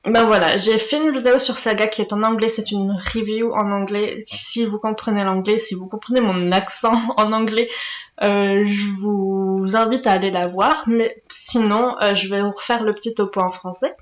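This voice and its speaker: A woman's voice: medium pitch, fairly even intonation, normal speed. A woman hosting a casual book review vlog, chatty and hesitant with many fillers and restarts. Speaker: booktuber. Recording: echoey room.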